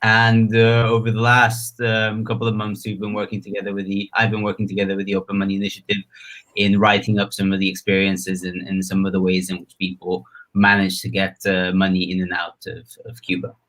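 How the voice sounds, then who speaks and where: A man with a fairly low voice and very flat intonation speaks on a panel. He explains in a measured way, pausing hesitantly between phrases. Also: poor audio. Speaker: panelist, online business founder. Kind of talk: measured self-introduction on a panel.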